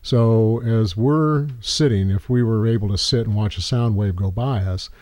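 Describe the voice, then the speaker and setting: A man in his sixties speaks in a low, mellow voice. He explains things in casual chat, rambling and repeating words as he goes. The sound is dry and close, with no room around it. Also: moderate pace, dry recording. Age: 60s.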